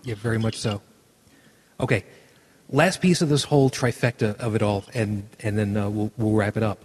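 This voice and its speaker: A man's voice: lowish voice, fairly even intonation, normal speed, a little mellow, husky, long reverb tail. A man hosting a casual podcast chat, rambling and restarting as he hunts for words. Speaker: podcast host.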